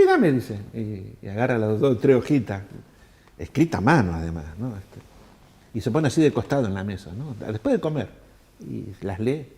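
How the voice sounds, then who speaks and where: An older man from Argentina, telling long animated anecdotes in an interview and acting out the people he quotes. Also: medium pitch. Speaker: world traveler telling his story. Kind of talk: storytelling interview answers.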